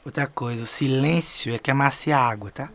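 A man's voice: medium pitch, brisk, faint music behind, close to an everyday voice. A man acting in a radio drama as a teasing, patient Brazilian riverman who talks colloquially, like a homespun philosopher. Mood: folksy, wise. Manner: colloquial, playful, animated.

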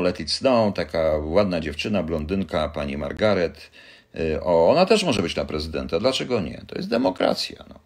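An older man hosting a casual live chat, rambling and joking as he answers viewers' questions. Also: deep voice. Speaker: livestream host answering viewers.

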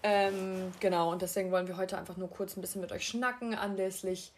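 A woman's voice: mid-range voice, steady tone. Chatty woman podcast co-host. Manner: chatty, quick asides, youthful slang. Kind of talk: casual chat. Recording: amateur home mic setup.

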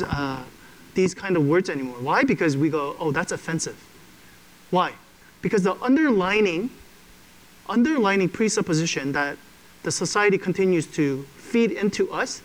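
A pastor with a high voice preaches a sermon to a congregation in a conversational style, frequently checking in with "okay?". The recording quality is low.

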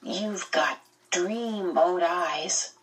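A woman reading aloud, voicing a kind teenage boy who talks to a friend gently and reassuringly. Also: on the low side, very slow, breathy edge, recorded from a distance, heavily acted, low-quality recording. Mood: gentle.

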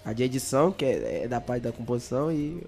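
A man's voice: medium pitch, very animated, quick pace, creaky, darkish tone, faint music behind. A young man from Bahia with a Bahian accent, a songwriter chatting and joking in an interview, often stammering on repeated words. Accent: Bahian Brazilian Portuguese. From Bahia, Brazil. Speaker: songwriter guest. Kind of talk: casual interview chat.

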